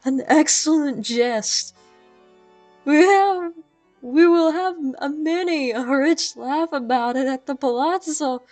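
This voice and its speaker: Woman putting on a giddy, high-pitched drunken nobleman. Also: slow pace, a little mellow, soft background music. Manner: manic laughter breaking into pleading.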